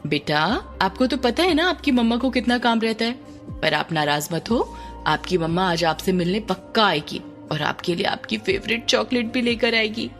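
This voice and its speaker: A woman voicing a police officer mother who speaks gently and soothingly to her small daughter. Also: fairly high pitch, expressive, moderate pace, faint music behind. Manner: soothing, then sharp. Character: police officer mother, firm but tender.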